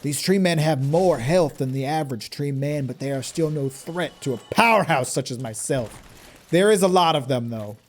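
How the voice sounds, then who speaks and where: A man voicing a boastful, gruff lumberjack who brags about beating trees. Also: a little high, animated, moderate pace. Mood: cocky. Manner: swaggering self-praise, sing-song bragging.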